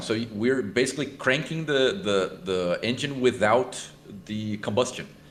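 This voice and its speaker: A man with a non-native accent at a moderate pace. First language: not English. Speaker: helicopter pilot and sim sound designer. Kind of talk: casual chat. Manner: halting, many fillers and repeats.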